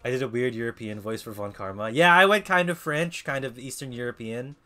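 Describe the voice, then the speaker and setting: A man in his twenties with an American accent, chatting casually while streaming a game, relaxed and swearing now and then. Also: mid-range voice, fairly quick. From Philippines. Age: 20s. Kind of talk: casual let's-play commentary.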